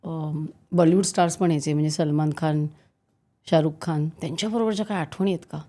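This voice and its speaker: A woman's voice: low voice, fairly even intonation, fairly quick. Marathi-accented woman hosting an interview. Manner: short prompting questions, warm backchannels. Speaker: podcast host. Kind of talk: casual interview.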